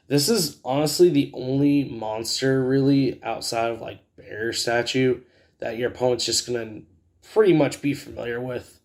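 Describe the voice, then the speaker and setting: Scratchy-voiced man with a creaky edge. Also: mid-range voice. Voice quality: scratchy, raspy. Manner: rambling, hesitant, filler-heavy. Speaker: host of a card game video channel. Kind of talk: casual tutorial talk.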